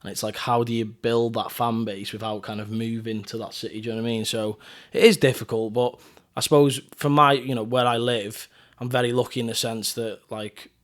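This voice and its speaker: North welsh guy on a podcast, chatty and rambly, pretty monotone, mid pitch. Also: fairly quick. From North Wales. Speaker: podcast guest, singer-songwriter. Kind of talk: casual chat.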